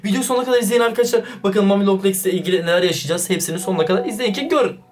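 A man doing excited, casual vlog commentary, slangy and talking straight to his viewers. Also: sits high, racing. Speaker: YouTuber reacting to a chat. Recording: distant mic with background music.

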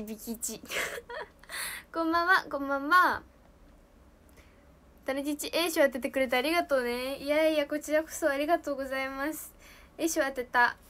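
A bubbly teenage girl with a lilt, chatting on a live stream and reading out viewer comments. Her voice sits very high, and she giggles often between lines. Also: fairly bright tone. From Japan. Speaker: idol trainee streamer. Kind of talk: casual live stream chat.

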